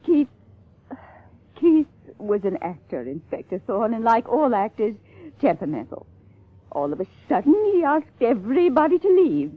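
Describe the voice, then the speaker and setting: A woman playing an aging, passionate stage actress in a 1950s-style detective radio play, theatrical and halting. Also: fairly high pitch, very animated. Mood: tense recollection. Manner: theatrical, halting with emphatic repetition. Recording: lo-fi radio drama, faint music.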